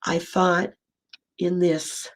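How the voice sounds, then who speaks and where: A woman minister giving a gentle, storytelling sermon in a slightly hoarse voice, slowing and softening for emphasis. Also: lowish voice, level tone. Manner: gentle storytelling, slows and drops to near whisper for emphasis. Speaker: interim minister. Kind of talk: sermon talk.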